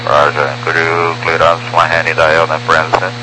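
A man's voice: extremely low pitch, monotone, takes it slowly. A man speaking as a pilot, making clipped radio calls and readbacks in police-radio style. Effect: two-way radio transmission. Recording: noisy radio with mains hum.

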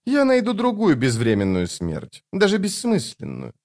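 Male reader as a haughty luck goddess: high, sharp, capricious. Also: wildly swooping pitch, moderate pace, full character voice.

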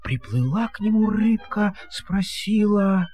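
A man's voice: sits high, animated, takes it slowly, darkish tone. A man narrating a fairy tale in verse as a storyteller, with a theatrical, singsong delivery.

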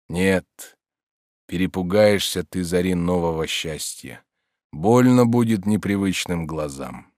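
A man's voice: mid-range voice, dry recording, studio quality, pitched above the performer's own voice, close to an everyday voice. A man reading an urgent, insistent loyal friend. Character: energetic loyal male friend, urgent and forceful. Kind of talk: audiobook reading.

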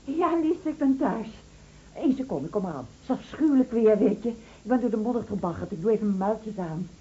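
Teasing, carefree wife played by a woman, quick, lively radio-drama delivery, dull old recording. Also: fairly high pitch, a little hiss or hum, lightly acted. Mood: breezy, chatty. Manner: light, bantering. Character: breezy, teasing wife, unconcerned and chatty. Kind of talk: Dutch radio play acting.

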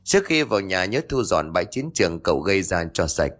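A man voicing a cunning, sharp-tongued old man who scolds and bullies a lodger in a spoken ghost story. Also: low voice, very animated, quick pace, exaggerated voice. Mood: scolding. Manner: scolding, blunt.

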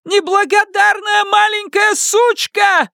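A man voicing a furious, sarcastic middle-aged mother who screeches and yells. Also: very high voice, steady tone, takes it slowly, creaky, no room sound, clean studio sound, voice pushed up, heavily acted. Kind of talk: audiobook character reading.

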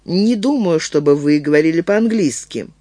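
A man's voice: a little high, lively intonation, moderate pace, mellow, no room sound. Hesitant polite woman folklorist, read by a man.

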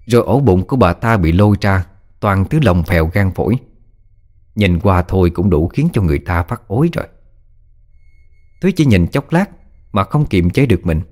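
Deep-voiced man narrating a horror story. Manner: dramatic, expressive.

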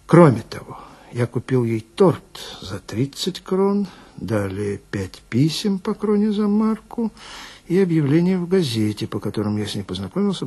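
A man's voice: medium pitch, a little mellow, breathy edge. A man playing a prim, middle-aged swindler in a radio story, speaking with polite, pleading dignity and fussy care.

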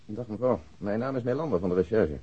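A man's voice: fairly low pitch, fast, slightly rough. A man playing a polite police investigator in a radio drama, speaking formally and precisely. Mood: polite, official. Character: businesslike, polite male police investigator giving facts. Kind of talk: Dutch radio drama acting. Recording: dull, lo-fi radio drama recording.

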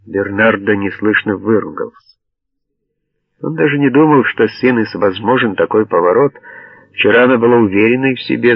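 A man reading a novel aloud as an audiobook narrator, in a measured, even way. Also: fairly low pitch, slightly rough, no room sound. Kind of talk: scripted narration. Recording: dull lo-fi dry audio.

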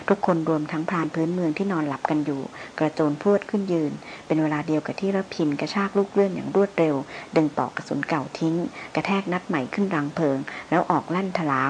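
Low-voiced female audiobook narrator, steady and dramatic. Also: fast talker, slight background noise, low-quality recording.

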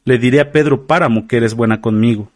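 A man's voice: mid-range voice, fast, darkish tone, no room sound, studio quality, close to an everyday voice. A man voicing a troubled, frightened young woman in an audiobook, speaking in a pleading, anxious way.

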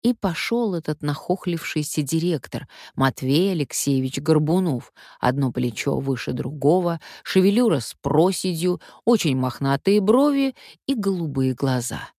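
Older actress with a low, dry voice. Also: female voice, normal speed, few pauses, no room sound. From Omsk, Siberia, Russia. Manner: wry, lively anecdotal narration. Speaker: stage actress. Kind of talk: memoir storytelling.

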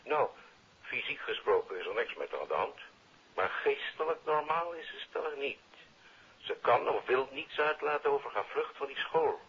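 An actor playing a brisk, dismissive senior police official on the telephone in a 1950s radio drama, authoritative, with a Netherlands Dutch accent. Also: male voice, mid-range voice, expressive, breathy edge. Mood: matter-of-fact. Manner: authoritative, matter-of-fact. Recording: dull old radio recording.

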